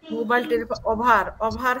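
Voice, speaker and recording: A woman's voice: fairly high pitch, little pitch movement, fairly quick, pushed and bright, slight background noise. A woman student in an online English class who asks questions and repeats answers after the teacher. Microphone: video call.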